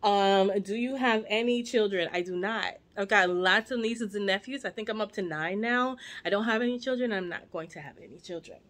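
Her voice is mid-range and fairly bright, a little fast with few pauses. This forties-aged vlogger, Jamaican by birth and American by upbringing, talks to a camera held at arm's length at home, wandering playfully with asides to viewers.

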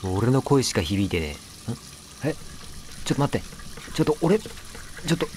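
A man's voice: mid-range voice, very animated, brisk, a little mellow. A man giving casual let's play commentary, chatting to the game and its characters as he plays. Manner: chatty, talks back at the game, apologizes for noise.

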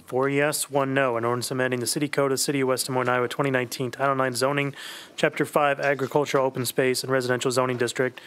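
Man, city clerk, flat monotone, rapid reading, faint noise behind. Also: medium pitch. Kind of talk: formal reading of motions and vote tallies. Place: council chamber.

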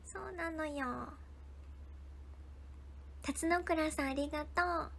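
Reading comments on her livestream, a young idol with a bright, high voice talks slowly and casually. She's chatty, thanking each viewer by name, and often lowers her voice to hushed whispers.

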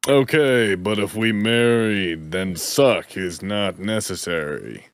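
Male comedy podcast co-host, slow halting character reads, low voice, very unhurried. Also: lively intonation, dry recording. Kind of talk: comedic reading of fan fiction.

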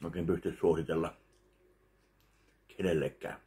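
A man in his thirties giving a slow, deadpan review of a meal while eating at home in his kitchen. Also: sits low. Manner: slow, deadpan, pauses between bites. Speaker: food vlogger. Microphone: webcam at close range.

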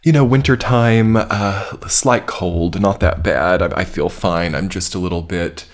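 A man with a very deep voice talks through a monthly astrology forecast in a loose, rambling way. His voice is a little scratchy from a winter cold, and he often pauses with ums and uhs. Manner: rambling, filler-heavy, reflective. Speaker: astrology reader. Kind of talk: casual monthly forecast talk.

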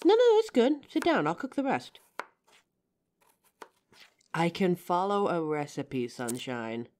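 Protective female bodyguard, played by a woman, flirtatious and caring. Deep register, animated intonation, audio drama intimacy. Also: takes it slowly, slight background noise. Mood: playful, tender. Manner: gentle, teasing, reassuring.

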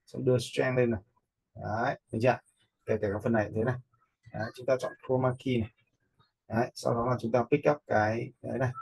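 A man giving an informal step-by-step software tutorial as an instructor, often checking that viewers follow. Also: medium pitch, flat delivery, quick pace, vocal fry, husky, low-quality recording. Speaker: video editing instructor.

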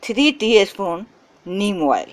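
A woman whose first language is Hindi walks through a gardening recipe one short phrase at a time. She speaks at a very slow, deliberate pace with a mid-range voice and plain, clipped wording. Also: mid-range voice, big pitch swings, background noise. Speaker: gardening channel host. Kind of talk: step-by-step how-to narration.

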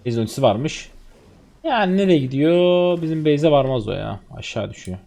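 A man in his twenties from Turkey, a streamer chatting excitedly to viewers while commentating his own gameplay. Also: fairly high pitch, brisk, creaky. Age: 20s.

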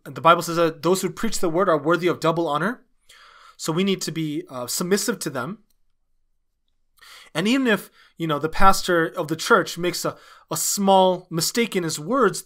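Male sermon interpreter, slightly high-pitched, halting phrase-by-phrase preaching delivery. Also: a bit bright. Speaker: interpreter dubbing a pastor's sermon.

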